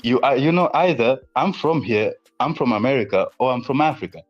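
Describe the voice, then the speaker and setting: A measured man from Tanzania, talking his points through slowly in a stream debate. His audio sounds dull and lo-fi, with faint music underneath. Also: mid-range voice, expressive. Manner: measured, reasoning step by step. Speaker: debate guest.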